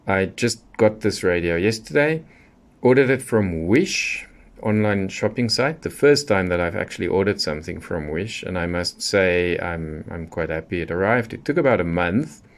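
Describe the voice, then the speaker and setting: Low-voiced man, casual reviewer. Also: normal speed. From South Africa. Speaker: radio hobbyist presenter. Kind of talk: casual unboxing review, unscripted.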